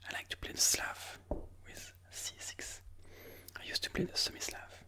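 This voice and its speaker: Hushed ASMR chess host, fully whispered. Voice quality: breathy unvoiced whisper. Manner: slow, hushed, deliberate explaining of moves.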